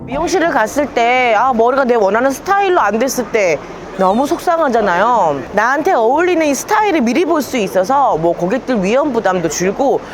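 A woman's voice: on the high side, sing-song, background noise. A woman hosting a vlog, reporting on site at an exhibition and reacting readily to what she is shown. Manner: reactive, quick to interject in agreement. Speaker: vlog host. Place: large indoor exhibition hall with demo booths. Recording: music behind, busy exhibition venue.

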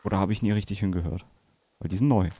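A man's voice: low-pitched, fast, warm tone, husky. A man hosting a let's play, chatting and joking about game details as he plays. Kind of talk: casual gameplay commentary.

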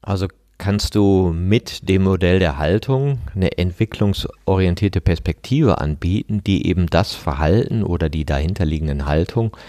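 A man hosting a podcast, calmly asking questions and summarizing his guest's points. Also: deep voice, normal speed, few pauses, no room sound, clean studio sound. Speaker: podcast host. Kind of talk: interview questions.

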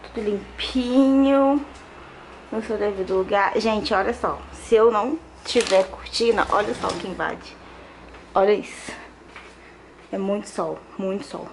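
A woman's voice: medium pitch, unhurried, vocal fry, slight background noise. A woman in her twenties with a Minas Gerais Brazilian accent, chatting to viewers while she cleans her apartment. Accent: Brazilian Portuguese, Minas Gerais. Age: 20s. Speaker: vlogger. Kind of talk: casual cleaning vlog chat. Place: apartment kitchen and terrace, indoors.

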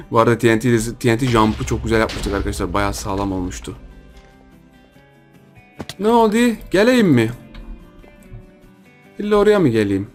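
A young man giving jokey, excitable Minecraft gameplay commentary, talking to viewers and teasing his opponents. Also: on the low side, quick pace, soft background music. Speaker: gaming YouTuber.

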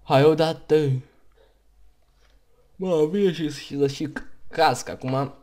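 A man's voice: fairly high pitch, a little mellow. A man with a Romanian accent giving casual gameplay commentary, chatty and rambling, hiccuping and tired, on a headset mic at home. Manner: chatty, rambling, talks in bursts between hiccups. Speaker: gaming YouTuber.

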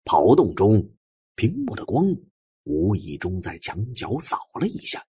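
Very husky, animated male storyteller. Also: deep voice, a little slow, dry recording. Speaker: audiobook narrator. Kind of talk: dramatic storytelling of a suspense novel.

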